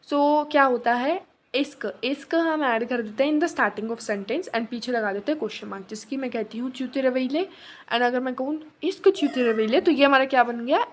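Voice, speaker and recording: A young woman teaching a French grammar lesson online, explaining step by step, mixing in English phrases and answering her own questions. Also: fairly high pitch.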